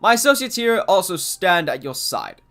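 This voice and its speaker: A man voicing a pompous gentleman inspector from a video game, reading lines in a grand, theatrical way. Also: sits high, sing-song, moderate pace, pitched above the performer's own voice, heavily acted. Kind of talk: game dialogue read aloud.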